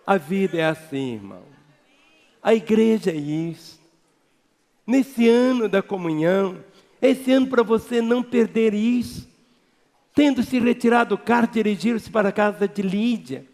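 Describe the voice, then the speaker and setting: A man with a Brazilian Portuguese accent preaching a sermon as pastor, emphatic, swinging between loud exhortation and quiet low asides. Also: animated, moderate pace. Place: large church hall. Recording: long reverb of a church hall.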